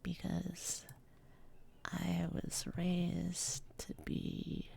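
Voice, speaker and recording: Slow gravelly whispering woman. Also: fairly low pitch, completely flat delivery. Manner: soft unvoiced whisper, rambling and chatty. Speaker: streamer. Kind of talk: whispered ASMR-style stream chat.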